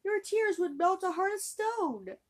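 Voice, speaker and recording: A woman's voice: very high voice, very animated, unhurried, voice pushed up, heavily acted. A woman voicing a pleading male frog from a well in a fairy tale read-aloud, with a coaxing, bargaining manner.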